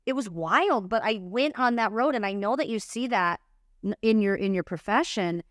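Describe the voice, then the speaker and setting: A woman's voice: mid-range voice, expressive, normal speed, dry recording, studio quality. A woman hosting a podcast, speaking candidly and confessionally in casual chat, often restarting her sentences. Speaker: podcast host.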